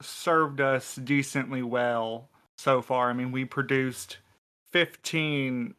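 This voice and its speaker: A man with a clean, resonant, mid-pitched voice chats casually on a podcast. His delivery is dry and self-deprecating. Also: fairly even intonation, takes it slowly, sharp tone, clear, resonant tone. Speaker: podcast crew member. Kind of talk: casual chat.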